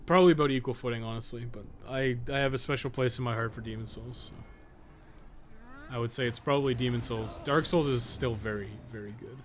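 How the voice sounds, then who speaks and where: A man's voice: medium pitch, steady tone, fairly quick. A man giving casual live gameplay commentary as a streamer, rambling and thinking aloud with frequent swearing. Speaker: video game streamer and guide writer. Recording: clearly noisy background.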